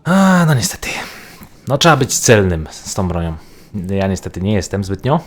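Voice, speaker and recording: A man giving casual, rambling gameplay commentary, thinking out loud as he plays. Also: sits low, lively intonation, normal speed, a little hiss or hum. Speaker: gaming video host.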